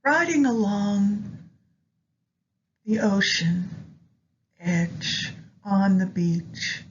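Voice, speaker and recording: A woman narrating a guided meditation in a gentle, soothing, unhurried manner with long pauses. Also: medium pitch, lively intonation. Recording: dull lo-fi audio with background noise.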